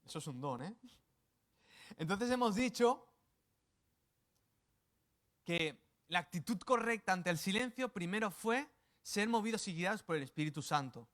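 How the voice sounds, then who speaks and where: A man's voice: high voice, animated, a little slow, long pauses, a bit bright. A man from Spain preaching a sermon, with playful asides and acted quotes. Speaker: pastor.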